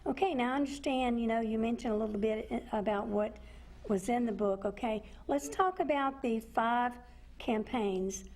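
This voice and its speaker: A woman's voice: fairly high pitch, moderate pace, a little mellow. A middle-aged woman hosting a television interview, prompting her guest with simple, encouraging questions. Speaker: television show host. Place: indoor television studio.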